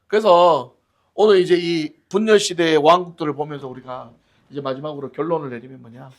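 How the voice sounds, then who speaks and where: A male pastor leads a Bible study. He tells stories expressively, swinging between loud exclamations and near-whispers. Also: a little high, fairly even intonation, brisk. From Gyeongsang region, Korea. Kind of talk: animated Bible-study teaching and prayer. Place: church library.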